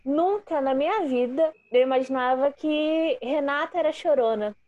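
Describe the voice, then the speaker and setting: A Brazilian woman joins a podcast as guest. Her voice is high and bright, and she chats candidly, teasing her hosts and complaining vividly. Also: normal speed, muffled recording. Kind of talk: casual chat.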